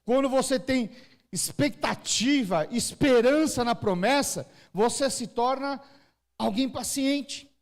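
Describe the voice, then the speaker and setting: At a church service, a pastor from Brazil with a São Paulo-area Portuguese accent preaches a sermon, acting out crying babies and their parents. His voice is very high and his pace slow.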